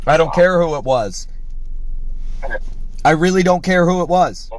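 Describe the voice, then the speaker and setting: A man berates the people he is confronting, swearing and stressing each word. His voice sits a little above the usual pitch for a man. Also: poor audio. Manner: profane, berating, slow and emphatic. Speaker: host. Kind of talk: heated confrontation on a call.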